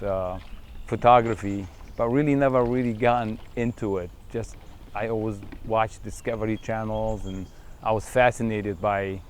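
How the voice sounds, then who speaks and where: A middle-aged man from Syria speaks in a lowish, smooth and clear voice. He talks about his photography unhurriedly and reflectively. He often pauses on fillers and restarts his sentences as he goes. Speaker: wildlife photographer. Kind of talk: profile interview.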